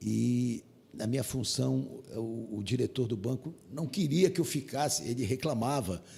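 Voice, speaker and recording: A man at medium pitch speaks fairly slowly with a dark, mellow tone, vocal fry and lively intonation. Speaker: sports radio broadcaster. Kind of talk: casual interview.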